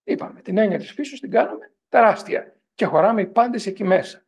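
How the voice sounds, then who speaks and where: A middle-aged priest and professor lecturing a parents' group in a digressive style, often asking the audience whether they agree. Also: male voice, high-pitched, gravelly, breathy edge. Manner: animated, digressive storytelling.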